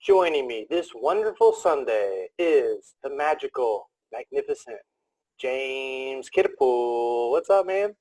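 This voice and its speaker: A man's voice: mid-range voice, expressive, slow pace, darkish tone, no echo, rough recording. A man hosting a casual interview podcast, talking in an upbeat, chatty, joking way. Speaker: podcast host.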